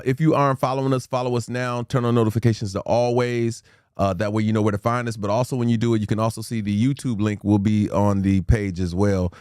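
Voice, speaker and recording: A man hosting a casual livestream talk show, playful and chatty with his guest and viewers, now and then breaking into a quick rhyme. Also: fairly low pitch, a little mellow, smooth, dry recording, clean studio sound. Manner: playful, hypes the audience, drops into quick freestyle rhymes. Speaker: livestream host.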